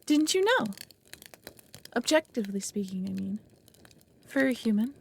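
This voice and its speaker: A woman playing an anxious, possessive dragon in an ASMR roleplay, halting and formal, often dropping into breathy half-whispers. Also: on the high side, sing-song, a little hiss or hum. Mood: flustered, coy. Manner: halting, earnest, formal wording. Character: anxious, lonely, possessive female dragon, awkwardly smitten. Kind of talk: ASMR roleplay audio drama.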